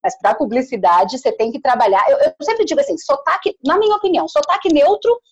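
Chatty brazilian woman, caipira country accent from paraná, highish voice, kinda dull audio. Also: expressive, fast. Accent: caipira country accent of northern Paraná. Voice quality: good clear diction. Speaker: commercial voice-over artist. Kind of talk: casual conversational interview.

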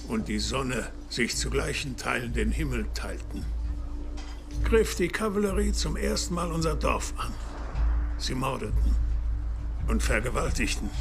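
An actor playing a wary, solemn old Native American man who speaks slowly and gravely in a dubbed TV drama. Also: medium pitch, lightly acted. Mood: grave, mournful. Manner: slow, grave, deliberate storytelling. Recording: music clearly underneath the voice.

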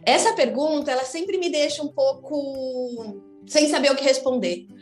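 A woman's voice: sits high, normal speed, soft background music. A woman in her thirties from São Paulo with a Brazilian Portuguese accent, speaking as an interview guest in a reflective, frank, thinking-aloud way. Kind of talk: candid conversational interview. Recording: echoey room.

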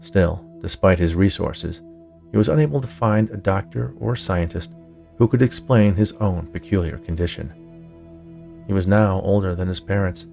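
Creaky low-voiced man narrating fiction. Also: moderate pace, dark tone, soft background music. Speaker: podcast narrator, writer and producer. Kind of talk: scripted fiction narration, bedtime-story podcast.

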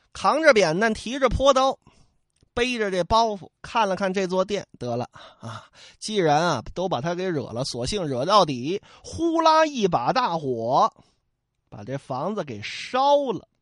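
A male storyteller telling a classic tale in a lively, colloquial way. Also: sits high, dry recording, clean studio sound. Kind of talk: traditional oral storytelling.

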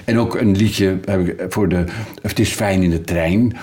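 An older man, a guest voice actor, telling stories in a relaxed interview, hesitant with many fillers. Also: deep voice, a little slow.

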